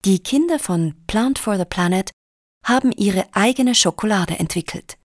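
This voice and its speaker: A woman's voice: mid-range voice, expressive, moderate pace, no room sound, clean studio sound, lightly acted. A woman playing an upbeat radio magazine presenter, reading a scripted report articulately.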